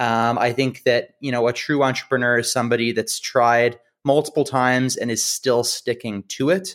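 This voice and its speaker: In an unremarkable speaking voice, a man speaks at a moderate pace and medium pitch with fairly even intonation on a very clean recording with a silent background. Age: 30s. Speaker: entrepreneur and growth manager. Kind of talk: casual interview.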